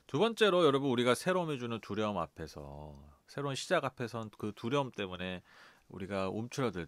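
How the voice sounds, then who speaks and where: A middle-aged man preaching a sermon as pastor, conversational and lively, asking his listeners rhetorical questions. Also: medium pitch, no room sound. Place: church.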